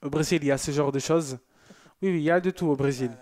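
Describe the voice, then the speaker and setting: A man's voice: a little high, fast talker, darkish tone. Chatty man hosting a church broadcast. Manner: chatty and joking, with loose asides. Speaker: church TV presenter. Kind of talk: casual broadcast chat reading viewer messages.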